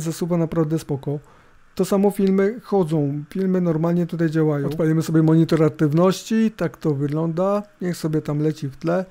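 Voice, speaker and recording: A man's voice: a little high, dark tone. A middle-aged man gives casual, rambling, hesitant commentary on a screencast, with laptop fan noise hissing behind him. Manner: informal, rambling, hesitant, with tag questions. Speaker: host of a tech review video. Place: indoors at a computer. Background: laptop fan hum.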